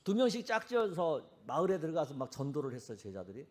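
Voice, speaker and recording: A man preaching with a lively voice that swings widely in pitch and sits somewhat high. He talks to his congregation in a casual, animated way and keeps asking them rhetorical questions. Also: fast. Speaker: senior pastor. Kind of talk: sermon.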